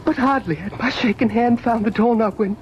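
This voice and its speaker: A woman acting a sorrowful ghost of a mother in an old-time radio monologue, hushed, halting and theatrical, full of dread. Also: on the high side, lightly acted. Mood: terrified. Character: sorrowful ghost of a mother recounting her terror. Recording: dull, noisy old radio recording.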